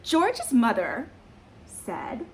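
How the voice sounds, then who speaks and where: A young woman hosting a children's storytime, cheerful and questioning like a teacher. Her voice is high and bounces around in pitch. She talks slowly and clearly for little listeners. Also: huge pitch swings, a little hiss or hum. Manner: cheerful, questioning, sing-song teacher talk. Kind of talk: reading a picture book to children.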